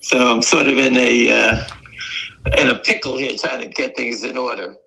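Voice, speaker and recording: A man whose voice is hoarse and gravelly after weeks of coughing. His tone is bright and tense, with a raspy edge. He talks in a loose, rambling, chatty way as a guest on a live stream. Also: medium pitch, steady tone, moderate pace, low-quality recording. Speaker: guest on a stock market stream. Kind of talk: casual chat.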